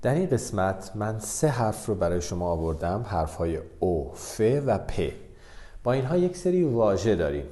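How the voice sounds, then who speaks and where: A man's voice: fairly low pitch, big pitch swings, mellow. Roomy-sounding male Persian script teacher. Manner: slow, drawn-out word dictation between quick instructions. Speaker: language teacher. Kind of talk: video lesson teaching script. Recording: roomy echo.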